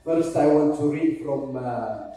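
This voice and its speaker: Ethiopian guy preaching slow, lots of uh pauses, dark voice, big echoey church, mic kinda far. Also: medium pitch. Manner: halting, frequent pauses with "uh", repeats key phrases. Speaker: guest pastor. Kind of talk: sermon. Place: church sanctuary.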